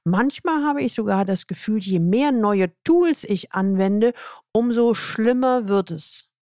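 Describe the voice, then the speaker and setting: A woman's voice: medium pitch, lively intonation, a little slow, dark tone, no echo, clean studio sound. A woman voicing a stressed, frustrated female executive with tense, exasperated complaints, in a plain reading voice.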